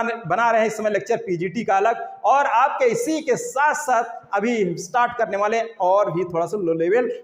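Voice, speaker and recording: A man with a high voice teaches an exam-prep biology class. He drills each question over and over. The sound is roomy, with a long reverb trailing after his words. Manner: repetitive, drilling questions, says "guys" often. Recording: echoey room with long reverb.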